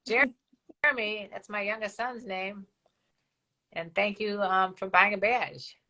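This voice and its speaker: Bright-voiced bawdy older woman host. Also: mid-range voice, measured pace, rough recording. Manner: frank and bawdy, reads out viewer comments. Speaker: co-host of a live stream show. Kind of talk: casual chat.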